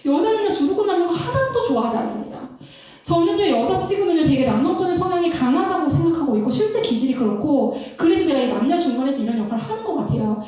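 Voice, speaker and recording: Animated high-voiced woman in echoey room. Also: fast, recorded from a distance. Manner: animated, laughs often, acts out couples' lines. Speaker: Christian counselor. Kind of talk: lecture-style talk.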